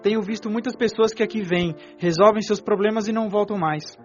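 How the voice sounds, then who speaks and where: A man's voice: high-pitched, brisk, lightly acted. A man playing an earnest questioner at a spiritist meeting in a scripted radio drama. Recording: dull lo-fi audio with guitar music.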